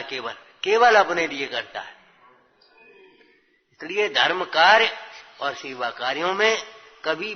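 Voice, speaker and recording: A man giving a religious scripture sermon, exhorting his listeners and checking their understanding with rhetorical questions. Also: fairly high pitch. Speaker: religious teacher. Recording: dull lo-fi with long hall reverb.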